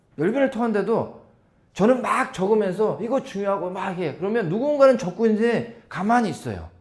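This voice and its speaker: At a high pitch, a man talks at a moderate pace. There is audible room echo. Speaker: pastor. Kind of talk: sermon. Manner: slurred at times; conversational.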